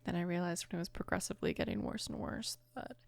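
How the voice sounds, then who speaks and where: A woman of about twenty playing a caring, apologetic mafia boss's daughter in an intimate ASMR roleplay, soft-spoken and hesitant, with a breathy, creaky voice. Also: on the low side, sing-song, fast, dry recording. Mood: gentle, reassuring. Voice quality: breathy, whispery with heavy creak.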